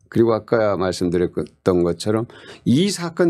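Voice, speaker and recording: In a very clean recording with a silent background, a man with a dark, mellow tone speaks at a moderate pace, his pitch swinging very widely. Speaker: politician. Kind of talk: interview. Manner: animated.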